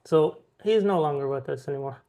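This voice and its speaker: A man with a somewhat high voice hosts a podcast. He casually reads out headlines and recaps them in a relaxed way, with frequent ums and uhs. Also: brisk, lo-fi sound. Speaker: podcast host reading news.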